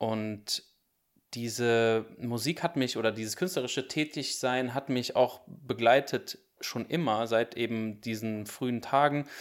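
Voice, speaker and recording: A man's plain, everyday voice at medium pitch, fairly slow, with ordinary pitch variation, on a very clean recording with a silent background. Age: 30s. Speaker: musician and author. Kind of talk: casual chat.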